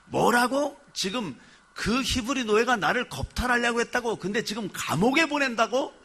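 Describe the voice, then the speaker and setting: A shrill, outraged noblewoman shrieks accusations in a high, strained voice, as a man preaching puts her on. Her words swing wildly up and down with tense fury. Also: lively intonation, moderate pace, a bit bright, husky, heavily acted. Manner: shrill, trembling with rage. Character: furious rich woman screaming accusations.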